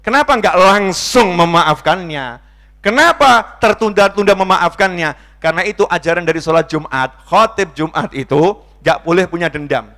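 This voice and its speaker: A male preacher delivering a mosque sermon in a high, bright voice. He swings from ringing, raised exclamations down to hushed, low asides and throws in playful jokes for the congregation. His tone is forceful and pressing. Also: moderate pace.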